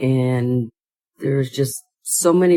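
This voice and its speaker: A woman with an American accent speaks very slowly, her very deep, low pitch carrying a dark, mellow tone and lively intonation. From Michigan, US. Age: 70s. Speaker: small business owner. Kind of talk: interview.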